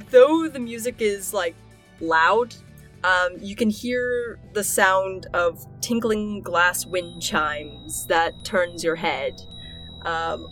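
A woman's voice: fairly low pitch, fairly bright tone. Female game master, playful and informal, moving between chat and narration, music underneath. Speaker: game master and podcast host.

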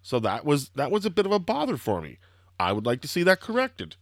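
A young man with a slightly hoarse, throaty voice, hosting a casual wrestling podcast and rambling excitedly with lots of fillers. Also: a little high, brisk, dry recording, clean studio sound. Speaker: podcast host.

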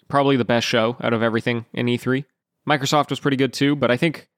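A man hosting a gaming podcast, telling a story in a casual after-show monologue, ranting in an animated way and breaking off to apologize. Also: mid-range voice, no room sound, clean studio sound. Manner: acts out quoted exchanges in a raised voice.

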